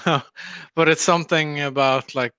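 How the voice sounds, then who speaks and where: A man co-hosting a casual chat, hesitant and halting with many fillers. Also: a little high, steady tone, sharp tone, no room sound. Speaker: co-host.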